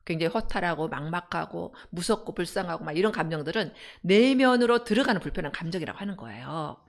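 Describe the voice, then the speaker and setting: A middle-aged woman, a counseling center director, giving an animated parenting lecture and asking her audience rhetorical questions. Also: on the low side, fast talker, creaky. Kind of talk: parenting lecture on a live broadcast.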